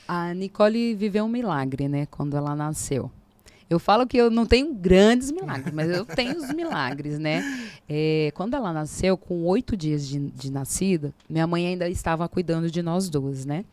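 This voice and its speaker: A Brazilian woman in her forties, a podcast guest, telling a faith testimony in lively casual talk and acting out the dialogue. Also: fairly low pitch, moderate pace. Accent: Brazilian Portuguese. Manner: animated storyteller, acts out quoted dialogue.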